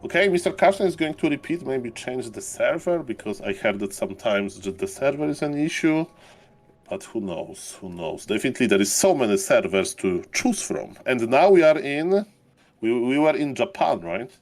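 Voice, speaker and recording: A man's voice: medium pitch, big pitch swings, moderate pace, darkish tone. A man co-casting a live esports broadcast, with rambling, enthusiastic banter full of fillers. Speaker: esports co-caster.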